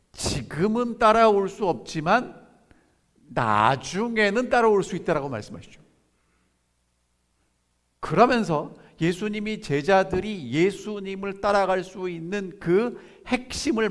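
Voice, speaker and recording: A pastor preaching a sermon, who keeps asking the congregation questions and then answers them, and reads scripture slowly and softly. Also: male voice, sits high. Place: church sanctuary. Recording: long church hall reverb.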